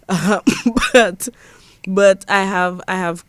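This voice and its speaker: A woman's voice: mid-range voice, flat delivery, extremely slow, a bit bright, no echo. A young woman from Dominica with a Dominican accent, a parliamentary secretary answering interview questions in an earnest, emphatic way with frequent restarts. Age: young adult.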